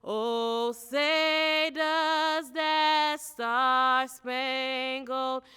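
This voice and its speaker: A woman singing a national anthem solo with sustained, drawn-out phrasing. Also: sits high, fairly even intonation, bright, forceful tone, smooth. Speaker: anthem singer. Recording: long hall reverb with music.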